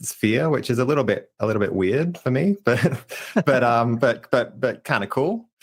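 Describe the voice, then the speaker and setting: Speaking at a moderate pace in an Australian accent, this voice comes through on a very clean recording with a silent background. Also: man. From rural Australia. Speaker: game designer. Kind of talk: podcast interview. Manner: halting, many repeated words.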